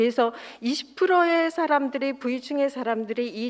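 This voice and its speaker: Against a quiet background, the woman's speech unfolds at a fairly slow pace. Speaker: conference presenter. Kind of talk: lecture. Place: hall. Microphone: podium.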